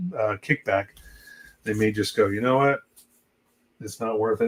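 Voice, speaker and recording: Somewhat breathy, a man with a fairly low pitch speaks at a very fast pace. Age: 50s. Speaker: model kit builder and live streamer. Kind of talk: live stream casual chat. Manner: halting.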